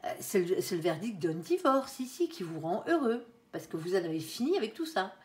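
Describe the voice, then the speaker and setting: A woman's voice: mid-range voice, sing-song, fairly quick, a little mellow. A woman giving a casual tarot reading to viewers, chatty and direct, filling her talk with little tags and calling on her angel between cards. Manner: chatty, sprinkles talk with "hein" and "alors". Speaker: tarot card reader.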